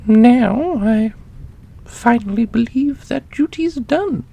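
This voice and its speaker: A man's voice: very high-pitched, animated, slow pace, vocal fry, dark tone, pitched above the performer's own voice, exaggerated voice. A man voicing an ancient, irreverent custodian who is blunt, teasing and evasive in a fantasy audio roleplay. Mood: earnest. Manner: blunt, playful, elusive.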